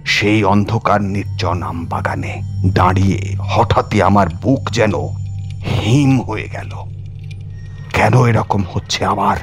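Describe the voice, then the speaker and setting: A man's voice: fairly low pitch, slow pace, soft background music. A man reading a horror audiobook as its narrator, in a dramatic scripted storytelling style.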